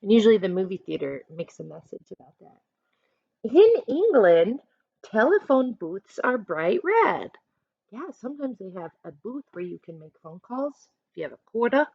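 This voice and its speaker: A woman teacher reading aloud to children, adding chatty instructive asides in an expressive manner. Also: mid-range voice, moderate pace, gravelly, husky, no room sound, lo-fi sound. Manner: expressive, instructive, acts out short examples.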